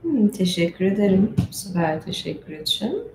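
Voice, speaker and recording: With a warm, sing-song, mid-range voice at a moderate pace, a middle-aged woman hosts a casual stream where she reads and retells myths. She's chatty and digressive, often adding asides. The recording has room echo and faint background noise.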